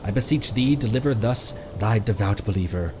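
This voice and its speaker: A man streaming a video game with expressive delivery, commenting casually and reading game text aloud. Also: normal speed, music in the background. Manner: expressive, jumps into high-pitched exclamations.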